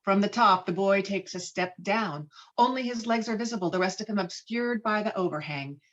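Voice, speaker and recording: A woman's voice: medium pitch, normal speed. A woman reading stage directions as the narrator of a dramatic script table read. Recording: dull, lo-fi call audio.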